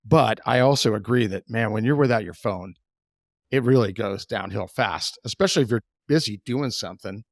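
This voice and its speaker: Man, 60s, podcast host, gravelly, chatty, trails off, dry room. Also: on the low side, normal speed, no echo. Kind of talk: casual podcast chat.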